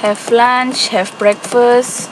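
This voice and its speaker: A woman's voice: fairly high pitch, flat delivery, very slow. Patient woman teacher, noisy room. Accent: Javanese. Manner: patient explaining, mixing English terms in, light laughs. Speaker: English teacher. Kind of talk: online English class. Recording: noisy room with air conditioning.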